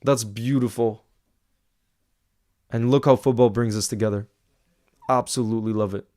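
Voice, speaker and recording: A man's voice: medium pitch, steady tone, normal speed, warm tone. A man with an American accent, of half French and half Icelandic origin, hosting a casual football livestream, reading viewer comments and repeating words for emphasis.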